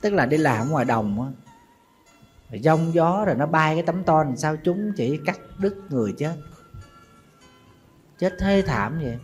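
Mournful Southern Vietnamese monk storyteller. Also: male voice, on the high side, lively intonation, normal speed, pauses often, faint music behind. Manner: mournful storytelling, calls himself teacher and addresses listeners directly. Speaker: Buddhist monk. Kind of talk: storytelling sermon.

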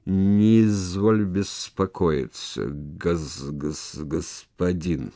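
A man's voice: low voice, mellow, exaggerated voice. A man voicing a tall stuttering man past middle age who stumbles over his words, in an audiobook. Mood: stammering. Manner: heavy stutter, slow halting speech.

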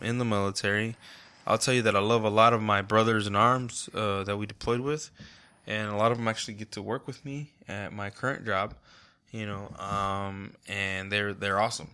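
A man, an Army captain, talking in a casual podcast interview, relaxed and hesitant with many fillers and restarts. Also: on the low side, smooth.

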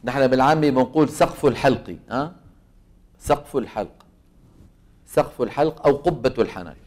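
A man's voice: mid-range voice, lively intonation, a little fast, a little mellow. A man with a Levantine Arabic accent teaching a tajweed class. He asks his students questions, answers them himself, and says the sounds aloud to show them. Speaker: Quran recitation teacher.

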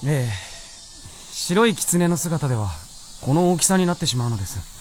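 A male actor as a young white fox spirit in a radio drama. He is earnest and courteous, with a lively, wide-moving intonation. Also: on the high side, normal speed, a little hiss or hum, close to an everyday voice. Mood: modest, polite. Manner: polite, earnest speech. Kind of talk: Japanese radio drama acting.

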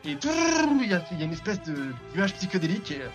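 Higher-pitched man running a tabletop game. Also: rapid-fire, faint music behind. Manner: repeats words and phrases. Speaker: game master. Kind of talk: improvised tabletop game narration.

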